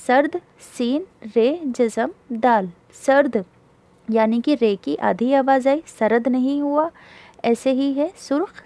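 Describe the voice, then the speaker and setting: A woman's voice: a little high, mellow. A woman teaching a beginner Urdu lesson to schoolchildren, patiently spelling each word letter by letter before reading it whole.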